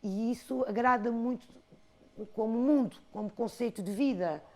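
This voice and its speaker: Algarve-accented woman in her 50s, storyteller, bit high, gravelly, rhythmic and expressive. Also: normal speed. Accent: European Portuguese, Algarve. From Algarve, Portugal. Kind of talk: reflective interview talk.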